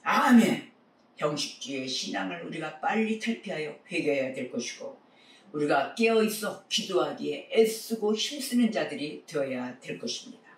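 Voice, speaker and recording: High-voiced Korean pastor preaching in echo. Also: male voice, lively intonation, normal speed, fairly bright tone, far from the mic. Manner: earnest preaching, exhorting the congregation. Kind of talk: sermon.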